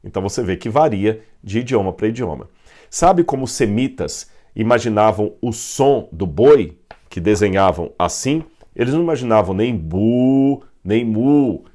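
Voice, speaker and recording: A man's voice: lowish voice, lively intonation, moderate pace, warm tone. A man with a Brazilian Portuguese accent teaching a Bible history lesson, explaining step by step with fillers and self-corrections. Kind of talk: explaining at a whiteboard.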